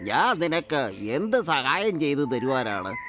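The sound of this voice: A man's cartoonish character voice, fairly high-pitched and very slow, over clear background noise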